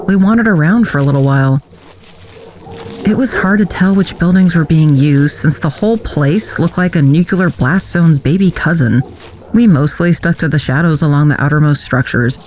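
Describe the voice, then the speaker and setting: A woman's voice: low voice, a little mellow, slight background noise, lightly acted. A woman acting in an audio drama as a wry, guarded character who recalls a youthful misadventure in a dry, sardonic manner. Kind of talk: audio drama narration and dialogue.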